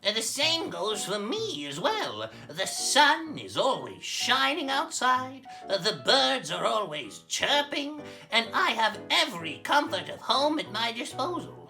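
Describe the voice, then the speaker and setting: A man's voice: very high-pitched, sing-song, unhurried, vocal fry, hardly any pauses, over music, full character voice, rough recording. A man voicing a miserable, grumbling miser puppet in a comedy show, whiny and pompously theatrical. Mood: indignant gloom.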